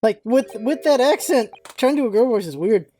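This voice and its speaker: Casual male gamer with lively intonation. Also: extremely high pitch, brisk, slight background noise. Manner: self-questioning, muttering asides about his own voices. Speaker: let's play host. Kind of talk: casual gaming commentary.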